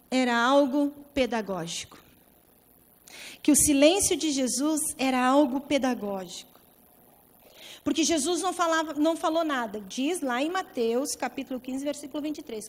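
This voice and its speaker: A woman pastor preaching a sermon with impassioned, dramatic swings in loudness. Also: high voice. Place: large convention center hall. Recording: reverberant convention hall.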